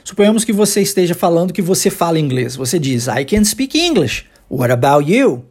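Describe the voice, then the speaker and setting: Husky male English teacher, Portuguese first language, patient, models phrases slowly for students to repeat. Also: on the high side, sing-song, darkish tone. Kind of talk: podcast English lesson for Portuguese speakers.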